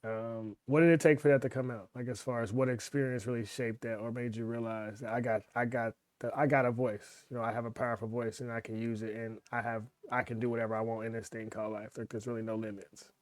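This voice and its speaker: A man's voice: medium pitch, little pitch movement, quick pace, few pauses, no room sound. A man hosting an interview, asking long casual questions with slangy, encouraging reactions. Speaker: podcast host.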